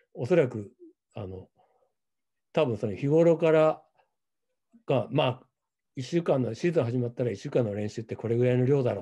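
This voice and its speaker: A man's dark, mellow tone moves at a fairly quick pace with lively intonation, against a quiet background. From Japan. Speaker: football coach; football coach in a dialogue. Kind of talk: casual chat. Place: home room. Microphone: video call.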